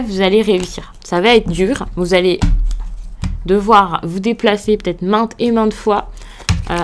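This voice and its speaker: A woman's voice: medium pitch, a little hiss or hum. A woman from France giving a casual tarot reading to camera, hesitant with frequent fillers and restarts, in a reassuring tone. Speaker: tarot card reader.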